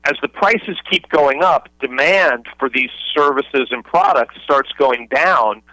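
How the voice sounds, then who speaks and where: Bright, forceful male radio interview guest. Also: mid-range voice, a little slow, dry recording, low-quality recording. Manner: colloquial, joking, emphatic explainer. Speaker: interview guest, franchise consultant and author.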